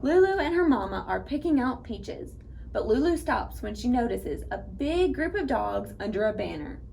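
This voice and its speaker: Female children's storytime reader, lively pitch swings, gravelly creak at times, talks straight to kids. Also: normal speed, a little hiss or hum. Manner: animated, addresses young listeners directly. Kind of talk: read-aloud children's storytime.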